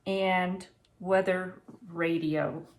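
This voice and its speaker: A woman's voice: lowish voice, steady tone, very slow. A woman in her sixties talking casually to camera in a home kitchen, plain-spoken and practical, as a vlogger giving advice and reviews. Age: 60s. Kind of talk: casual talk to camera about preparedness and a product review.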